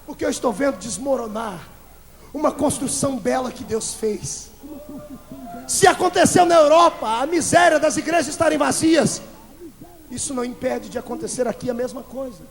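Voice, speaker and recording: A Brazilian man preaching a fiery Pentecostal sermon as pastor, shouting at the congregation and then dropping to low, intense tones. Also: moderate pace. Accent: Brazilian Portuguese. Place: large church. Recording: long hall echo, old VHS tape.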